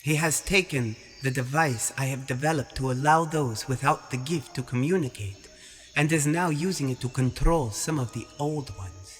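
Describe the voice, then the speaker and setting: A man's voice: mid-range voice, moderate pace, long reverb tail, faint music behind, close to an everyday voice. A man voicing a regretful alien father who speaks to his queen in a humble, formal, earnest manner.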